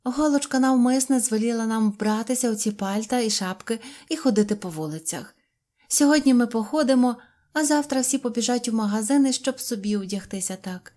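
A woman voicing a confident, brisk little fairy-tale girl who explains matter-of-factly. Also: a little high, darkish tone, voice pushed up, lightly acted. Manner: brisk, knowing.

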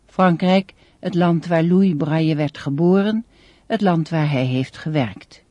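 Elderly female speaker, radio play, solemn measured oratory, very dry acoustic. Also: low-pitched, mellow, dry recording, lo-fi sound. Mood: solemn, impassioned. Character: elderly deafblind woman giving an impassioned, dignified speech. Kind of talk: formal ceremonial speech in radio drama.

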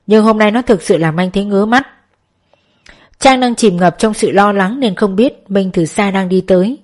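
A woman's voice: mid-range voice, normal speed. Woman narrating an audiobook steadily. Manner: steady storytelling.

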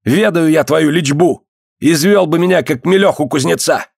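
A man voicing a hoarse one-eyed peasant who pleads and accuses in an audiobook. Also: fairly high pitch, normal speed, no room sound, studio quality, pitched above the performer's own voice. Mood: accusing.

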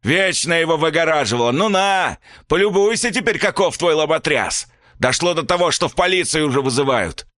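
A furious middle-aged father yells and scolds in a raised, strained voice, as a man reads him in a story. His pitch swings wildly with anger. The sound is dry and close. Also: animated, brisk, few pauses, no room sound. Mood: enraged. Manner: shouting, scolding, high and strained.

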